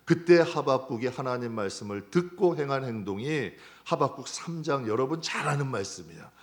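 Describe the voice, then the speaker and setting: A man preaching a sermon as pastor, asking the congregation questions and answering them himself, dropping to quiet low lines and then rising into loud impassioned stretches. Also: expressive, moderate pace. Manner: stretches out lists word by word for emphasis.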